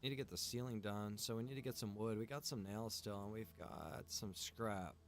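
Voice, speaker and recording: A man chatting casually while streaming a survival game, rambling in a relaxed way to his viewers. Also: lowish voice, moderate pace, a little hiss or hum. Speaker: streamer and server owner. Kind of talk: casual gaming stream chat.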